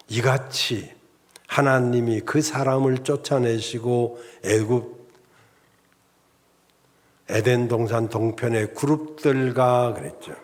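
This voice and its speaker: A male pastor preaching a Sunday sermon in a measured, enumerating style, often addressing the congregation directly. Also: mid-range voice, a little mellow. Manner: measured preaching with enumerated points and rhetorical asides. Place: church sanctuary.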